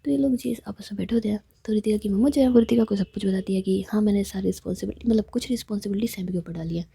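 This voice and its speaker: A woman telling a love story in a hushed, half-whispered storytelling voice. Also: mid-range voice, very fast, creaky, slightly rough, no echo. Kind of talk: soft-spoken storytelling.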